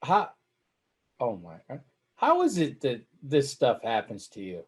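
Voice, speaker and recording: A man's voice: medium pitch, wildly swooping pitch, slow pace, slightly rough. A man co-hosting a casual podcast, teasing and ribbing his partner playfully. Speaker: podcast co-host, trainer. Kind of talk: casual chat.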